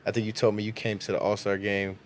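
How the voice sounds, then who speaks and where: A man's voice: lowish voice, level tone, fast talker, slight background noise. A man hosting a podcast, asking short casual questions and affirming the guest briefly. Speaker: podcast host.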